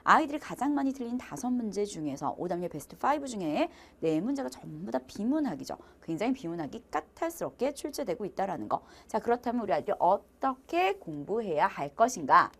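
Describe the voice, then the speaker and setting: A woman's voice: medium pitch, sing-song, fairly quick, hardly any pauses. A woman teaching exam prep who switches between polite speech and casual talk aimed at her students. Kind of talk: lively lecture promo talk to students.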